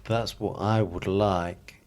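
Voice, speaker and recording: A man co-hosting a podcast in casual chat, speaking reflectively and often dropping to a soft, quiet delivery. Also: sits low, fairly even intonation, takes it slowly, clear, resonant tone. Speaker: podcast co-host.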